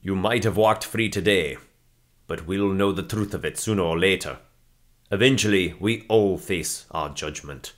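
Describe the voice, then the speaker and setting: A man's voice: low-pitched, normal speed, a bit bright. King , played by a man: jaded, irritable monarch, haughty and commanding, theatrical declamation. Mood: grave, accusing. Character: imperious, bored, short-tempered king. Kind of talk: character voice demo.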